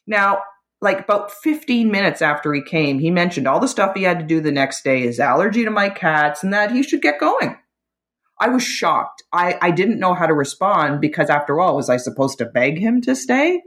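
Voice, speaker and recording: A woman's voice: on the low side, sing-song, moderate pace, fairly bright tone. Candid woman caller telling her story. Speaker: caller to an advice show. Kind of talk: personal account told to an advice host.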